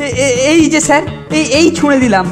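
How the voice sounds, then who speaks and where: An actor playing a sly, greedy teenage school senior in a children's cartoon, with a scheming, self-important manner. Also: male voice, extremely high pitch, lively intonation, a little fast. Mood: panicked. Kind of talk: exaggerated children's cartoon acting. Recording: music bed behind the voice.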